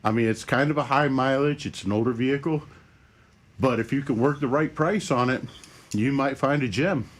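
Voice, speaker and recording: A man's voice: mid-range voice, moderate pace. A man gives practical advice in an ordinary mid-range voice. He lays it out plainly and steadily, step by step. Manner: plain, steady, matter-of-fact.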